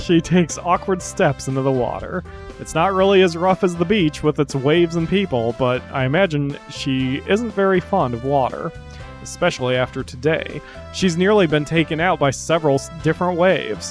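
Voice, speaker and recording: Music plays behind a man talking at a moderate pace. His fairly high voice shows ordinary pitch variation. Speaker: let's play commentator. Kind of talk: visual novel read aloud with commentary. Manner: calm, low energy; no screaming.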